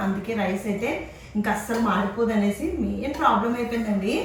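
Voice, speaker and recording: A woman's voice: mid-range voice, heavy background noise. A young adult Indian woman, narrating a casual home vlog in a chatty, explanatory way and addressing viewers directly. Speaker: home vlogger.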